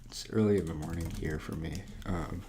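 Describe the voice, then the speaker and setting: A young man in his twenties, hoarse from just waking up, chatting in a drowsy, low-key way as he studies at home. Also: steady tone, moderate pace, background noise. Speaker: student vlogger. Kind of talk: casual study vlog chat. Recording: keyboard clicks and typing behind.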